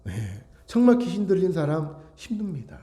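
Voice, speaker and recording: A man's voice: high-pitched, lively intonation, moderate pace, mellow. A male pastor preaching a sermon, emphatic and full of rhetorical questions to his congregation.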